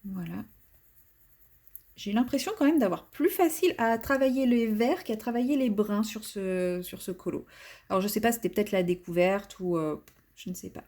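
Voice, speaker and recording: A woman hosting a coloring channel chats casually as she colors, rambling, joking at her own expense, and restarting sentences amid many fillers. Her voice is mellow and mid-pitched, at a normal speed.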